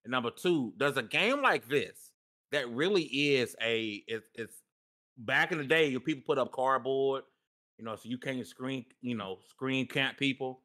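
Thirties male podcast host, animated and chatty, bright tone. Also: medium pitch, unhurried. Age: 30s. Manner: animated, laughs often, shouts out chat. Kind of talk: casual gaming podcast chat.

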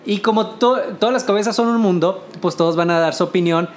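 Chatty higher-voiced northern Mexican man. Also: brisk, slight background noise. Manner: explains at length, with frequent restarts and light laughter. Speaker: designer. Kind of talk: casual podcast chat.

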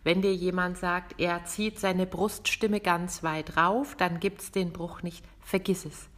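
Lively woman vocal coach. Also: lowish voice, slow pace. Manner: lively, direct, talks straight to the listener. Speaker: vocal coach and podcast host. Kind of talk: podcast lesson on singing technique.

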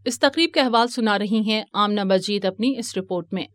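A woman presenting a radio news program, reading a scripted report in a formal, measured way. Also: mid-range voice, no echo, studio quality. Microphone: studio microphone.

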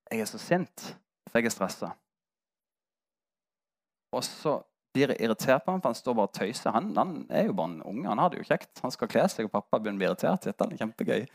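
A man, a pastor preaching a sermon and telling a personal story with candid, self-mocking humor. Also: medium pitch. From Norway.

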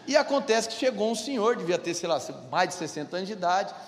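A man's voice: high-pitched, expressive, quick pace, big-room sound. A man in his thirties with a Brazilian Portuguese accent, preaching a sermon as a pastor and telling a personal story, often calling out to the congregation for an amen. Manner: storytelling, often calls "amém?" and "irmão" to the congregation. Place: church hall.

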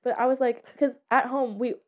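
A woman's voice: a little high, level tone, a little fast, a little mellow. A young adult woman with a giggly, slangy way of telling stories in casual podcast chat.

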